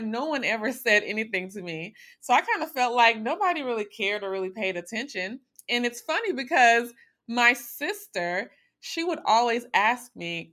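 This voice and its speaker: A woman's voice: a little high, bright, forceful tone. A young woman telling a candid, self-deprecating story about her own life in a conversational way.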